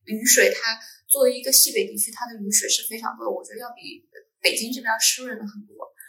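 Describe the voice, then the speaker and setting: A woman speaks at a fairly quick pace. Her loudness swings widely. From Pingliang, Gansu, China. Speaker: podcast guest. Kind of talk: casual chat. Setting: conference room.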